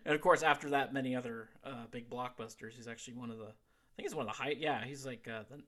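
A man's voice: mid-range voice, fairly even intonation, fairly bright tone. A man co-hosting a casual movie podcast, laughing often and restarting his sentences as he recalls movie trivia. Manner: laughing, quick to react, hesitant restarts. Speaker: podcast co-host. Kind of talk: casual chat.

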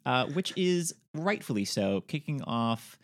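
A man's voice: medium pitch, very animated, unhurried. A man co-hosting a film podcast, chatting casually with lots of fillers, restarts and laughter. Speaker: podcast co-host.

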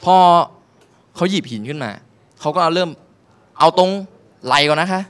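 A man's voice: on the high side, normal speed, a bit bright, clean tone. A young man telling a crude, exasperated stand-up story on a comedy stage, swearing often and acting out the people in it.

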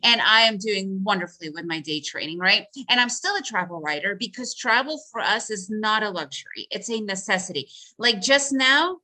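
A woman's voice: mid-range voice, animated, moderate pace, few pauses, sharp tone, rough recording. A woman whose first language is Russian, giving a chatty, upbeat live presentation on trading and talking to her viewers by name. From Soviet Union.

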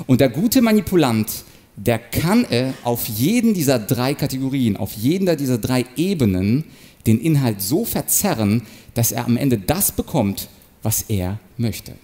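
A man giving an animated, explanatory talk on manipulation and rhetoric, sometimes acting out short example quotes. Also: medium pitch, unhurried. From Ukraine. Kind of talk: stage talk to an audience.

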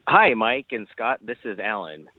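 A man's voice: on the low side, sing-song, normal speed, no echo. A man from California calling in over the phone to a talk show, chatty and easygoing, speaking from a beach lounge chair outdoors. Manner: easygoing, chatty, laughs often. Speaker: caller. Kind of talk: casual call-in chat. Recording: dull phone line with faint noise.

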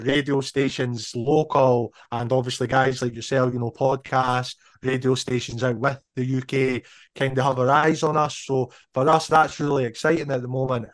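A man's voice: medium pitch, no room sound. Scottish man, thirties, rambling musician guest, dry close sound. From Scotland. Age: 30s. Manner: relaxed, rambling, lots of "you know". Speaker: band member guest. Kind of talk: casual interview chat.

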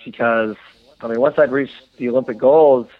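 A man's voice: mid-range voice, steady tone, dry recording. Reflective man on a tinny phone line. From United States. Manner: reflective, halting, many fillers and restarts. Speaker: interview guest, former Olympic swimmer. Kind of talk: casual interview conversation.

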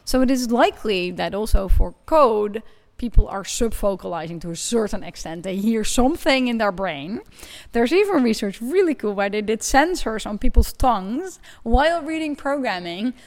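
In a conversational interview, a guest researcher who is not a native English speaker explains her work enthusiastically. Her voice is on the high side and animated, at a moderate pace.

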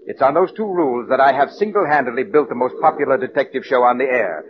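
An actor playing a pompous, condescending male radio producer who speaks slowly and deliberately, in 1940s radio acting style. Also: mid-range voice, noisy background, lightly acted. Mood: haughty. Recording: muffled old radio broadcast.

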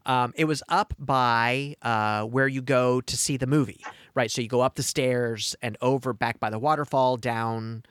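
A man's voice: medium pitch, fairly even intonation, moderate pace, few pauses, a bit bright, smooth, dry recording. A man co-hosting a podcast in casual chat, effusive and full of fillers, with dry sarcasm. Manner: effusive, hesitant with many fillers. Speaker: podcast co-host.

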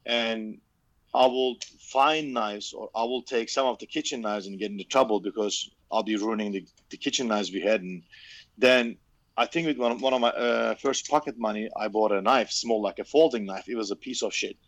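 A man's voice: lowish voice, moderate pace, no room sound. A man, casually telling his story on a podcast, candid and swearing, laughing easily. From Turkey. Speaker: knife maker, podcast co-host.

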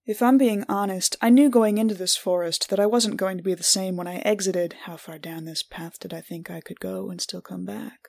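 A woman playing an introspective, unsettled adventurer, narrating her own story in reflective, measured, literary phrasing with deliberate pauses. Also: medium pitch, fairly even intonation, gravelly, darkish tone, dry recording. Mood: haunted, reflective. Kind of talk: scripted first-person narration for an actual-play podcast.

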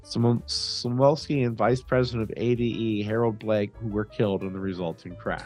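A man's voice: on the low side, fairly even intonation, moderate pace, darkish tone, soft background music. An American man co-hosting a podcast, chatting casually and reading articles aloud with his own commentary. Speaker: podcast co-host.

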